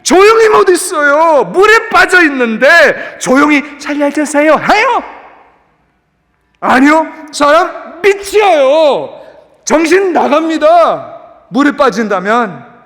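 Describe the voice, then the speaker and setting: High, bright-voiced animated male pastor. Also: takes it slowly, long reverb tail. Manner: animated preaching, mixing English words into the talk. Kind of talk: sermon. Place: church sanctuary.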